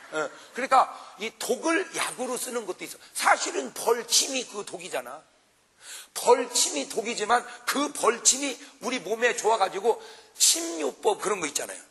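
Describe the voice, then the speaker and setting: A man's voice: high voice, normal speed. A male pastor preaching a revival sermon to a congregation, joking with them and acting out little scenes as he goes. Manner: animated, jokes and acts out quarrels for the congregation. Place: large church revival meeting. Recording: live hall reverb.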